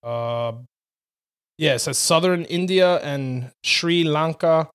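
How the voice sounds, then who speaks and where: A man's voice: fairly high pitch, slow pace, fairly bright tone, clean tone. A man co-hosting a podcast, chatting casually in a laid-back, slangy way with some swearing. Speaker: podcast co-host. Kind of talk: casual chat with a friend.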